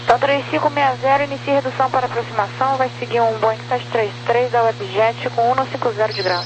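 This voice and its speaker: A woman's voice: fairly high pitch, steady tone, fast talker. A Brazilian woman working as an air traffic controller, giving procedural instructions over the radio. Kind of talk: radio instructions in set phraseology. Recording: noisy, humming radio channel.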